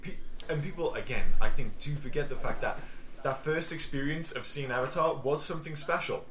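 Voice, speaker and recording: A man co-hosting a casual film chat podcast, animated and jokey, swearing freely, talking over a remote call. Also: on the high side, brisk, a little hiss or hum. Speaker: podcast co-host. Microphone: earphones, remote call.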